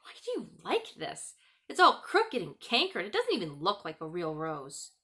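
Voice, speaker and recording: A woman's voice: fairly low pitch, wildly swooping pitch, moderate pace, bright, forceful tone, full character voice. A woman voicing a sneering, cruel young boy in a storybook, irritable, snappish and mocking.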